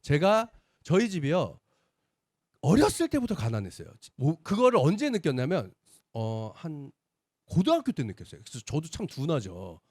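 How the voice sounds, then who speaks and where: Lively man telling stories at a sales seminar. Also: on the high side, normal speed, no echo, studio quality. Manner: animated storyteller, acts out quoted dialogue. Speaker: business presenter.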